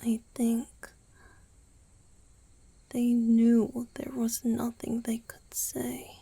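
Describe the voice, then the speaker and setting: A woman playing a tender, guilt-ridden young male vampire boyfriend in a romantic ASMR roleplay, mostly whispering in a slow, halting, intimate way. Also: on the high side, completely flat delivery, vocal fry, mellow, breathy edge, dry recording, full character voice. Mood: somber, confessional.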